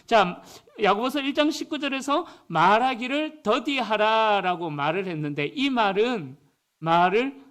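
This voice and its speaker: A man's voice: high voice, sing-song, normal speed, a bit bright. A male pastor preaching a sermon in a church, in a conversational way that keeps checking in with the congregation.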